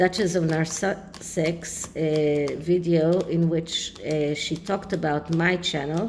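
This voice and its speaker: A woman with an Israeli accent speaks at a very slow pace with hardly any pauses. Her pitch is fairly low and her intonation fairly even. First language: Hebrew. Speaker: tarot reader. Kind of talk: tarot reading. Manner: halting, many filler sounds.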